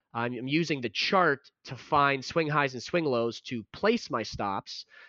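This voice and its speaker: Here is a man with an American accent and an unremarkable speaking voice. His pitch is fairly high and his pace fairly slow. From US Midwest, Chicago area. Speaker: day trader. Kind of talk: interview.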